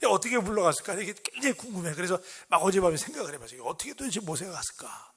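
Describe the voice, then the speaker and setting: A man's voice: high-pitched, very animated, racing, slightly rough. A middle-aged man preaching a dawn sermon in a church, talking conversationally and tossing questions to the congregation. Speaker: pastor. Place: church sanctuary.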